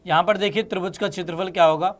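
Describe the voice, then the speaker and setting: A man with a high-pitched voice teaches a maths lesson, talking students through each step of the working. He checks in with them often and calls them in fondly. His delivery stays patient and methodical as he explains. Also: steady tone, very fast. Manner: addresses students as beta and bachche, frequent check-ins.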